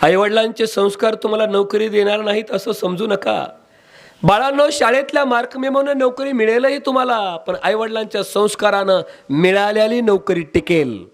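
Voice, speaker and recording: High-pitched male preacher, dramatic storytelling sermon, sing-song emphasis. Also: normal speed, a little hiss or hum.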